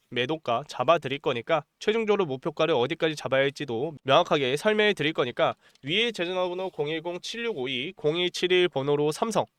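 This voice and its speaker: A man with a cold delivers a pushy stock-market pitch, his voice a little high and smooth despite the strain. He keeps the tone urgent and promotional, circling back to the same points. The sound is close and dry with no room around it. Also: a bit bright, no room sound. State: has a cold, voice a bit strained. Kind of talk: stock analysis monologue with sales pitch.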